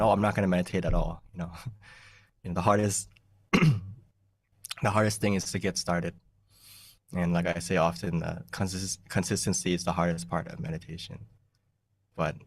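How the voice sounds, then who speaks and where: Very low-voiced monk, halting. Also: male voice, no echo. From born in Thailand, raised in America. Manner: unhurried, halting, frequent throat-clearing, light laughs. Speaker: Buddhist monk, meditation teacher. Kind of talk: casual Q&A answers.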